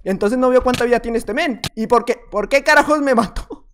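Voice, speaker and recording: A man narrates his own gaming session in a loose, chatty way. He jokes around, trails off now and then and taunts his rivals. His tone stays relaxed and unscripted. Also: extremely high pitch, a little fast. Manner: playful, rambling, teasing opponents. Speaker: gaming video creator. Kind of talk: casual gameplay commentary.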